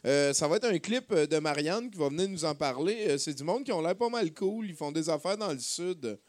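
A man's voice: a little high, expressive, a little fast, dry recording. A man hosting a live radio show, announcing with energy and many filler words. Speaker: radio host.

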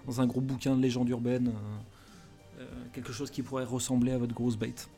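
A man narrating a tabletop role-play game as game master, with a gravelly, creaky voice. He keeps stopping and restarting his sentences, and soft music plays behind him. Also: medium pitch, level tone, fairly quick. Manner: hesitant, many restarts.

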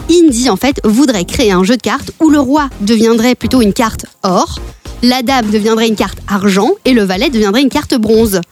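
A woman's voice: on the high side, moderate pace, darkish tone, soft background music. A woman from Belgium hosting a radio show in casual chat, playful and laughing often.

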